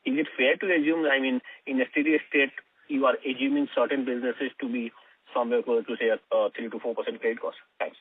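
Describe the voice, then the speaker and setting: A man with an Indian accent speaking as a financial analyst, asking a long, halting, detailed question on an earnings call. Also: mid-range voice, steady tone, breathy edge, no echo. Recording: tinny, muffled telephone line.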